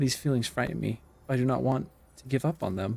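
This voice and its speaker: Someone uses a breathy put-on character voice at a fairly quick pace with ordinary pitch variation. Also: man. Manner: soft, shy, emotional.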